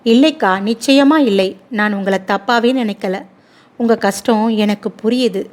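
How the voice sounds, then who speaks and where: A woman's voice: a little high, moderate pace, a little mellow, close to an everyday voice. Woman voicing an earnest young neighbor woman. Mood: pleading. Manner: earnest, pleading. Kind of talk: storybook dialogue.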